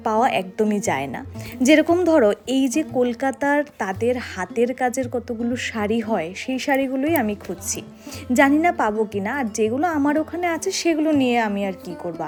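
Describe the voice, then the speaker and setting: A young woman vlogger narrates her day over the footage, chatty and personal as if thinking aloud. Her voice sits a little high, and a faint bit of music plays underneath. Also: darkish tone. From Tripura, India.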